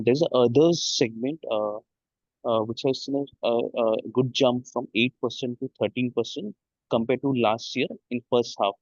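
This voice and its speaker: A man with an Indian accent politely asking questions as an analyst on a conference call, with halting phrasing. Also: mid-range voice, dry recording. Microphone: conference call line. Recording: dry, dull conference-call line.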